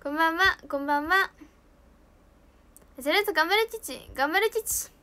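A bubbly teenage girl with a lilt, chatting on a live stream and reading out viewer comments. Her voice sits very high, and she giggles often between lines. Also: unhurried, pushed and bright. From Japan. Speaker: idol trainee streamer. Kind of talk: casual live stream chat.

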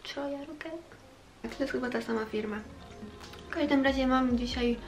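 A woman's voice: fairly high pitch, steady tone, a little fast, faint music behind. A woman in her twenties with a congested, pinched-sounding nose from a cold, chatting casually to camera in speech. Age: 20s. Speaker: vlogger. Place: small bedroom, indoors. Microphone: camera a short distance away on a bed.

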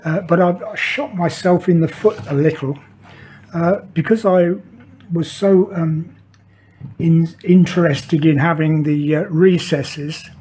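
A man's voice: on the high side, steady tone, slow pace, darkish tone, a little hiss or hum, low-quality recording. An older man who explains a model-making build in a casual, hesitant way, with many fillers and restarts. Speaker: model maker demonstrating. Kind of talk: hobby tutorial, casual talk while working. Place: indoor workshop table.

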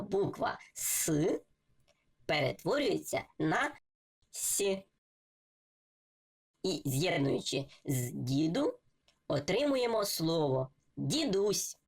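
A woman's voice: deep voice, gravelly. A woman giving a patient reading lesson for children, sounding out syllables letter by letter. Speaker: reading teacher.

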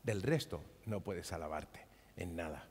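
A male pastor preaching a sermon in a church, animated and dramatic, acting out scenes as he speaks. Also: low-pitched, measured pace, slightly rough. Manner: animated preaching, acts out biblical dialogue. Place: church hall. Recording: long reverb of a large hall.

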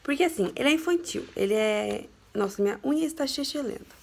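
A young woman from Brazil chatting casually in a reading vlog at home, emotional and quick to laugh. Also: sits high, expressive, gravelly, a little mellow. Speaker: book vlogger. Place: home, her bedroom.

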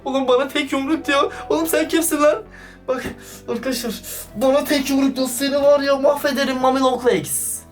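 A man doing excited, casual vlog commentary, slangy and talking straight to his viewers. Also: very high voice, brisk. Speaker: YouTuber reacting to a chat. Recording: distant mic with background music.

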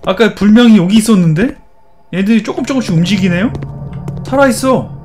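A man's voice: high voice, lively intonation, brisk, a little mellow, faint music behind. A man playing a horror game and commenting, teasing the characters in playful chatter. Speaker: gaming YouTuber.

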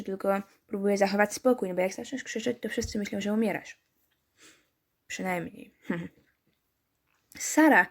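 A woman reads a story game aloud in a mid-pitched voice. She keeps stopping to add wry, chatty comments for her viewers, in the easy tone of a let's-play.

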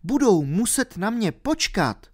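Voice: mid-range voice, very animated, voice pushed up. A reader voicing a ten-year-old girl, bold and determined, speaking eagerly and insistently in a storybook reading.

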